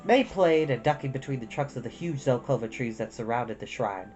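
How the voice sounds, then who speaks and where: A woman narrates a storybook in a low voice with lively, expressive intonation. Faint music plays behind her reading. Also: fairly quick, highs cut off. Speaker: storytime reader.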